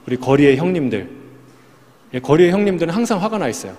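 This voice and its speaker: A man's voice: on the high side, very animated, quick pace, a little mellow. A male pastor preaching a Sunday sermon, talking conversationally and putting rhetorical questions to his congregation. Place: church sanctuary. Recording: reverberant church hall.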